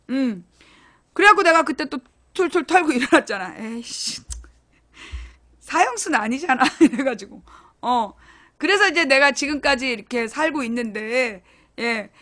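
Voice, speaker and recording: Blunt, high-voiced woman streamer. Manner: blunt, swears freely and teases listeners; storytelling, animated retelling. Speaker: internet broadcaster. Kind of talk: casual live-stream chat to viewers.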